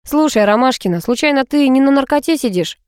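A woman's voice: fairly high pitch, brisk, a little mellow, dry recording, studio quality, voice pushed up, close to an everyday voice. A woman voicing a cocky, mocking young male student who teases and needles. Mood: teasing. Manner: teasing, smug.

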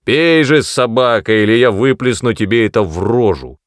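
Brutal drunk father, sneering and loud, big swinging voice, as a male reader puts him on. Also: on the high side, big pitch swings, a little slow, no room sound, clean studio sound, voice pushed up. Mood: menacing. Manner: mocking, menacing, loud.

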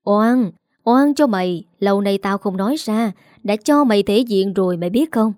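A woman's voice: medium pitch, moderate pace, a little mellow, no room sound, clean studio sound, natural voice. A woman voicing a harsh, scolding old mother-in-law with a cutting, contemptuous manner.

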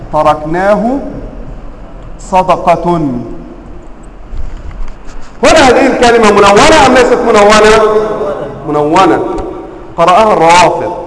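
A man with an Egyptian accent teaching a religious lesson, quizzing his listeners and stressing words with sharp rises. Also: sits high, expressive, fast talker, pauses often, echoey room, in a large hall, rough recording. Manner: quizzes the audience, emphatic rising stresses. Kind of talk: classroom lesson.

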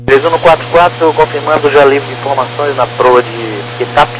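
A man's voice: mid-range voice, normal speed, a bit bright. Brazilian male air traffic controller, noisy radio. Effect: aviation radio transmission. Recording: noisy aviation radio with hum.

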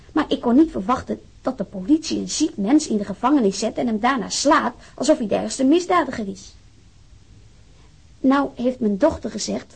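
A woman's voice: fairly high pitch, gravelly, a little mellow, breathy edge, exaggerated voice, low-quality recording. An actress playing a worried, earnest wife who reads out a complaint letter on her husband's behalf. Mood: indignant, worried. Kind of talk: dramatized reading of a complaint letter.

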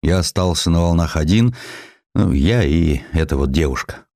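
A man voicing a poor, ailing ex-sailor turned postman, gruff, proud and kind-hearted, with blunt, salty, plain-spoken delivery in an audio story. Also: sits low, expressive, normal speed, a little mellow, no echo, studio quality. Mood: gruff, matter-of-fact.

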